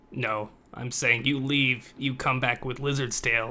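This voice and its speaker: A raspy, put-on character voice delivers its lines at a fairly slow pace in a flat monotone. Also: man, medium pitch for a man. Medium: actual play. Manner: gruff, impatient.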